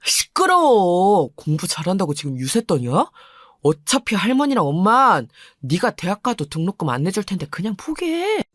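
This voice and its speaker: A woman's voice: mid-range voice, sing-song, normal speed, no room sound. Brief: sulky teen boy, curt and dismissive, dry close sound, put on by a woman. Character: sulky, rebellious teenage older brother. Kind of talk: radio story drama.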